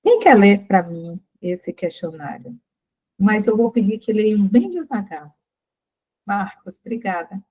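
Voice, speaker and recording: Older brazilian lady leading a study group, slow and careful, mellow dark voice, strained throat. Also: medium pitch, lively intonation, husky, low-quality recording. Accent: Brazilian Portuguese. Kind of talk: reading aloud and explaining to a group.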